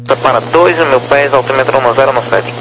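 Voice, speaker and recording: A man working as an air traffic controller, giving clipped, rapid instructions in set radio phraseology, heard as a radio transmission taped off a receiver. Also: medium pitch. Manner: clipped, rapid, formulaic delivery. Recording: hissy, humming taped radio.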